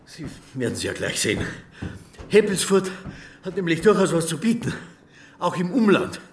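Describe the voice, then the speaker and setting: A chatty small-town mayor. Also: male voice, a little high, very animated, moderate pace, slight background noise. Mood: proud. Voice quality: talkative, rambling, chuckling asides. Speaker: local official guiding a visitor.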